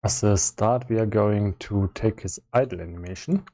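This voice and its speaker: A man giving casual live-stream commentary as he works on a game, thinking aloud in a halting way with repeated words. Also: on the low side, dark tone. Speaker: solo game developer streaming.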